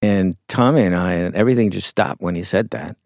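A middle-aged man with a low, gravelly voice tells stories slowly and thoughtfully as an interview guest. He pauses often with fillers. The sound is dry and close, with no room echo. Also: darkish tone. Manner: reflective, unhurried, with frequent fillers. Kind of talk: conversational interview storytelling.

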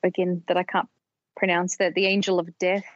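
Low-voiced female co-host, dry lo-fi sound. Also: flat delivery, a little fast, no room sound. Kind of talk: casual interview chat.

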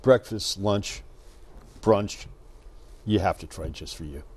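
A man's voice: low-pitched, takes it slowly, a little mellow, husky. A man on a restaurant review panel, enthusiastic and restarting his sentences often. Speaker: show panelist.

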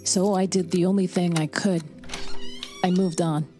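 An actress playing a grieving young married woman who narrates her story quietly in an audio drama. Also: fairly low pitch, steady tone, unhurried, faint music behind, natural voice. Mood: somber. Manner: quiet, somber, reflective. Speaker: narrator and lead character.

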